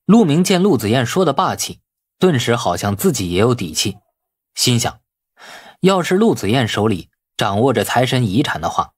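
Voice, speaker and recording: Husky, expressive male audiobook narrator. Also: mid-range voice, moderate pace. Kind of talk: dramatic scripted novel narration.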